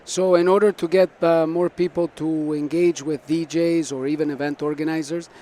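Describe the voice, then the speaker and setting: A man's voice: a little high, level tone, moderate pace, dark tone. A man from South America giving earnest, explanatory answers as a startup founder in a conversational interview. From South America (Argentina and Venezuela), born in Canada. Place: busy tech conference floor. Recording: noisy busy event with background ambience.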